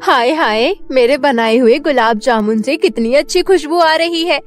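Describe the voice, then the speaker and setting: A woman's voice: high-pitched, normal speed, faint music behind, natural voice. A woman voicing a nagging, scornful stepmother in a cartoon story. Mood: scolding. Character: scolding mean stepmother, middle-aged woman. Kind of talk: cartoon voice acting.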